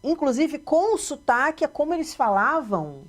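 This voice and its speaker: Brazilian woman interviewer, slightly high voice, chatty and expressive. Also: normal speed. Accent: Brazilian Portuguese. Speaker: host. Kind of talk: interview talk.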